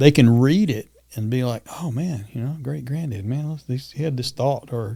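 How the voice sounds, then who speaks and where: At a moderate pace, a man speaks in a dark, mellow, somewhat breathy tone, at medium pitch with ordinary pitch variation. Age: 50s. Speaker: church member, spiritual mentor. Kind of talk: podcast interview, personal testimony. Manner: casual, halting with repetitions.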